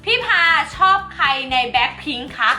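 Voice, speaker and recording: Bubbly high-pitched woman, giggly and animated. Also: takes it slowly, faint music behind. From Thailand. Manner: chatty, giggly, playful. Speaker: slime channel host. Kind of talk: casual chat vlog.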